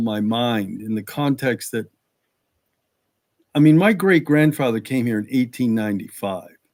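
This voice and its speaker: With an American accent, a man speaks at a moderate pace in medium pitch, lively intonation and an unremarkable speaking voice, on a very clean recording with a silent background. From central Massachusetts. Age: 60s. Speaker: state legislator. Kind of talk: casual chat.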